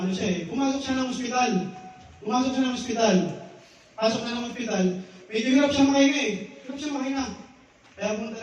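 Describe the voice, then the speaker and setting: A man's voice: high voice, heavy reverb, far from the mic, slight background noise, low-quality recording. A man in his thirties giving a church devotional, sharing a prayer and a story. He repeats his phrases and often adds tag questions. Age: 30s.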